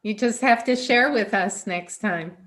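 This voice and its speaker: A woman's voice: mid-range voice, a little slow, fairly bright tone. A woman chairing a council meeting over a video call, friendly and informal, with fillers like uh.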